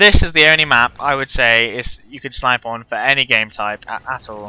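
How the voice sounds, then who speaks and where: Someone speaks at a moderate pace with an English accent. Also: man. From England. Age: 20s. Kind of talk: gameplay commentary. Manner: casual, hesitant.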